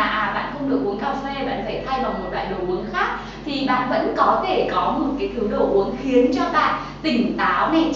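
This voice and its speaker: A young Vietnamese woman hosts a healthy-drink tutorial on a bright indoor kitchen studio set, chatting straight to viewers with lots of filler sounds. Her high-pitched voice is very echoey and dull, recorded from a distance.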